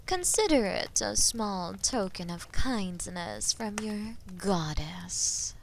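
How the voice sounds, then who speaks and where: An imperious female dragon, played by a woman, speaks at an extremely slow, deliberate pace. She is menacing and possessive, like a captor in a fantasy audio drama, and her phrases trail into breath. Faint noise sits behind the voice. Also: mid-range voice, animated, gravelly. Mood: haughty, commanding.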